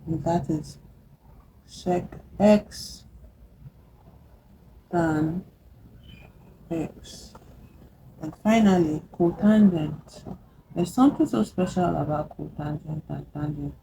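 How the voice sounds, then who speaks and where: Low, gravelly Nigerian woman teaching maths. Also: warm tone, slight background noise, rough recording. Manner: chatty and encouraging, checks in with "yeah?" and "okay?"; slows down to spell out formulas while writing. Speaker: math tutor vlogger. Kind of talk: casual whiteboard lesson.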